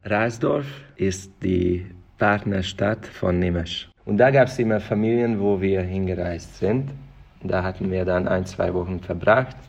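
Low raspy guy, earnest, kinda repeats himself while thinking. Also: a little slow. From Hungary. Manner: earnest, repeats words while searching for phrasing. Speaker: interviewee. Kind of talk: thoughtful personal interview answers.

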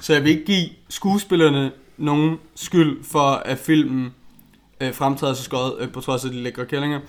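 A man's voice: mid-range voice, steady tone. A man co-hosting a casual film-review podcast, talking bluntly and crudely with lots of fillers and restarts. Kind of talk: casual chat.

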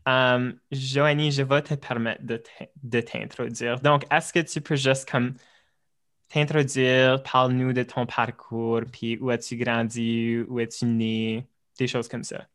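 Young man hosting, chatty, mid-pitched. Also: level tone, takes it slowly, a bit bright, clear, resonant tone. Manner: switches into English mid-sentence, loose and chatty. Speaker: podcast host. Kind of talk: casual podcast chat.

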